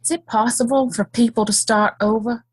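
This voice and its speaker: A woman's voice: on the high side, steady tone, normal speed, breathy edge. An actress playing a wistful, tender frontier woman in a Western audio play, earnest and searching in her delivery.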